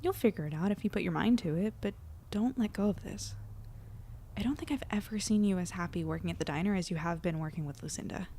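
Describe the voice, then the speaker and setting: A woman playing a guilt-ridden but supportive and determined young hero in audio drama dialogue, speaking softly and earnestly. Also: lowish voice, fast, a little hiss or hum, lightly acted. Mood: gentle, encouraging.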